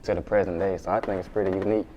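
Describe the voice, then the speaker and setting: A man's voice: deep voice, little pitch movement, very fast, a little mellow, slight background noise. A man from Alabama with a Southern Black accent, chatting casually and informally as an interview guest, often saying "like" and circling back over his words. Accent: Southern Black American, Alabama. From Montgomery, Alabama, USA. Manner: informal, repetitive, says 'like' often.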